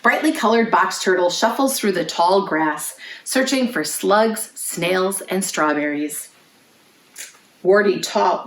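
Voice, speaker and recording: A woman with a slightly low voice leads a storytime for young children. She phrases things clearly and invites listeners to answer questions as she reads. The recording is roomy, with noticeable echo around her voice. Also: a little hiss or hum. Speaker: children's librarian, storytime host. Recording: roomy, echoey indoor sound.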